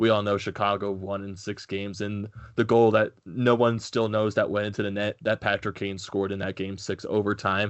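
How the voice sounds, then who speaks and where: In an American accent, a man speaks at a moderate pace and fairly low pitch with monotone, flat intonation and hardly any pauses. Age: 20s. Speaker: hockey podcast host. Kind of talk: casual chat.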